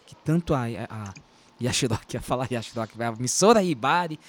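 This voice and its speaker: A man's voice: medium pitch, lively intonation, brisk. A man hosting a radio show in a casual chat, explaining things through comparisons.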